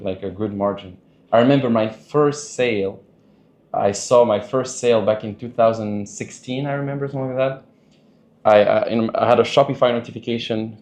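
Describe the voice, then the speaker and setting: A man talking casually as a podcast guest, loose and chatty, laughing often and filling pauses with "like" and "you know". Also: fairly low pitch, a little mellow, roomy sound. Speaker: podcast guest, dating coach. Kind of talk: casual interview talk.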